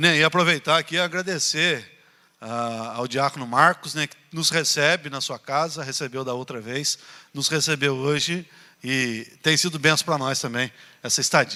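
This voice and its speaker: A man's fairly high, bright, sharp voice with ordinary pitch variation and a Minas Gerais accent. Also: moderate pace. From Minas Gerais, Brazil. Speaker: pastor. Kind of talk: sermon. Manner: relaxed, conversational.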